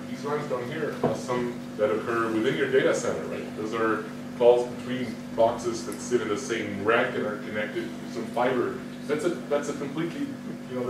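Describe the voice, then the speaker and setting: Guy giving a conference talk, lots of questions and restarts, far off in a booming hall, noisy. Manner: questioning, lively, self-correcting restarts. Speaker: conference speaker. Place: large conference room. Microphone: no microphone, distant recording.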